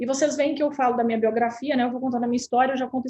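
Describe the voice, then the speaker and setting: In a Minas Gerais accent, a woman speaks in a high pitch with a dark, mellow tone and monotone, flat intonation. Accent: Minas Gerais accent, still kept. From Minas Gerais, Brazil. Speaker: healthcare company executive. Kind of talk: panel discussion.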